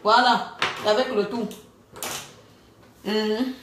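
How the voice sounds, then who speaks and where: High-voiced woman scolding on a live stream. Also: very slow, noisy background. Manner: animated, scolding and joking by turns. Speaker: livestreamer. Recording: echoey room.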